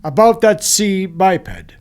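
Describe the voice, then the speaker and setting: A man reads as a scholarly professor in a storybook tale, pitched high for a male voice. He is grave and careful, with a hesitant, shy streak. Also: expressive, takes it slowly, a little mellow. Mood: shy, cautious. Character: grave, shy elderly male professor, cautious but insistent.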